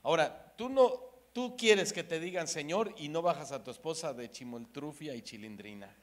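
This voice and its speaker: A man from Mexico preaching a sermon, swinging between loud emphasis and hushed asides and acting out the voices in his stories. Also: on the high side, lively intonation, moderate pace.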